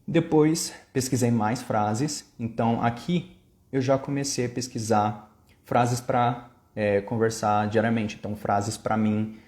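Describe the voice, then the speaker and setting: A man's voice: medium pitch, fairly even intonation, a little slow, darkish tone, reverberant. A Brazilian man with a Brazilian Portuguese accent, talking casually in a vlog and explaining things step by step with examples. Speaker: language-learning vlogger.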